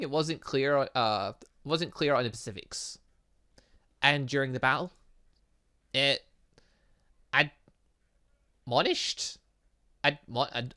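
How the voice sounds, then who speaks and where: A gaming video host with a mid-range, pushed and bright voice plays through a story game. He reads its dialogue aloud with casual asides, often stumbling over words and correcting himself.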